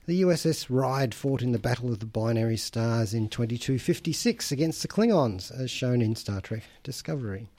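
A man's voice: medium pitch, expressive, normal speed, few pauses, darkish tone. Jokey Australian man hosting radio. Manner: jokey, enthusiastic, laughs often. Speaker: radio host. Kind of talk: casual radio chat. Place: radio studio.

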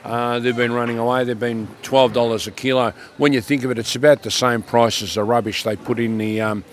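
An older man, a market produce seller in casual radio chat, his voice croaky from a cough, plainspoken and practical. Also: medium pitch, flat delivery, fairly quick, slight background noise.

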